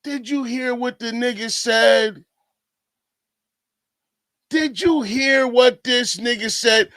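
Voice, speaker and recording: Slow, high-voiced ranting man. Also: a bit bright, dry recording, low-quality recording. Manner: incredulous, profane ranting. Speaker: commentator. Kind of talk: reaction commentary.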